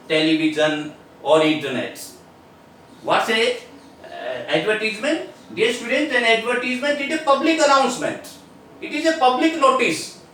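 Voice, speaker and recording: High-voiced teacher, echoey room. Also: male voice, a bit bright. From India. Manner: earnest, repetitive, addresses students often, hesitant fillers. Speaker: English teacher. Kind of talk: video lesson. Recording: very echoey room, distant mic, faint noise.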